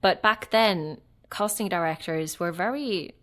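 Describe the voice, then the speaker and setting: A woman in her thirties, originally from Norway, talks as an actress guest in a relaxed interview. Her voice sits a little low, and she rambles reflectively with plenty of fillers and self-corrections. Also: measured pace. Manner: chatty and reflective, many fillers and restarts. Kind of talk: casual interview chat.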